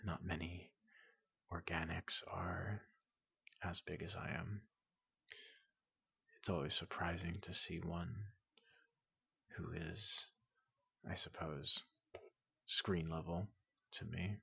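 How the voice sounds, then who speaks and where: A man voicing a tall, gentle robot doctor in soft ASMR roleplay, hesitant and politely clinical, often slipping into a whisper, close to the microphone. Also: sits low, level tone, slow pace, pauses often, no echo, heavily acted. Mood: calmly clinical. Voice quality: breathy, gravelly, often dropping into whisper.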